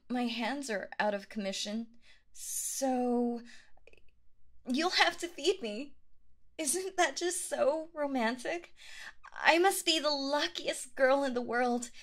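Stammering, clingy yandere girlfriend. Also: high-pitched.

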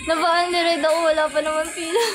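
High-voiced young woman chatting on a livestream. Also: normal speed. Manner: chatty storytelling, giggles often, mimics voices in quotes. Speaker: livestream host. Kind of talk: casual livestream chat. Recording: music playing in the background. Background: background music.

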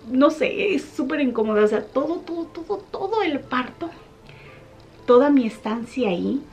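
A young woman vlogger casually telling a personal story to her viewers, animated when she retells what people said. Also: high voice, normal speed, faint music behind.

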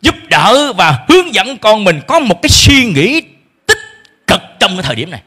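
A man's voice: sits high, sing-song, normal speed, bright, forceful tone, breathy edge. A middle-aged man preaching a sermon as pastor, emphatic, acting out parents' complaints in a shifting voice. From Vietnam.

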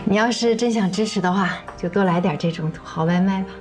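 A woman's voice: medium pitch, quick pace, close to an everyday voice. An actress in her thirties playing a sincere, self-reliant woman in naturalistic TV drama dialogue. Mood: earnest. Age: 30s. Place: indoor dining room, quiet. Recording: faint music behind.

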